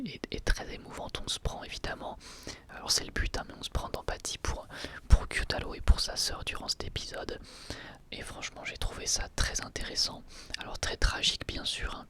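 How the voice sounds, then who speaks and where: An ASMR creator whispering an episode review, hesitant and full of fillers and restarts. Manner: soft, breathy whisper throughout.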